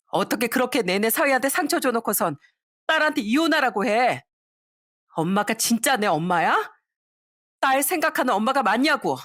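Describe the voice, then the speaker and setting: Woman playing a furious wife, sharp and accusing, raised pitch, dry sound, storybook reading. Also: no room sound. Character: furious young wife scolding her mother.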